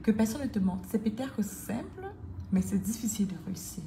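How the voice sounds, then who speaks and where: A woman's voice: medium pitch, very animated, brisk. Emphatic woman coach in an echoey room. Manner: emphatic and repetitive, preaching cadence. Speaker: motivational coach. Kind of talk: motivational talk addressed to the viewer. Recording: echoey room with faint noise.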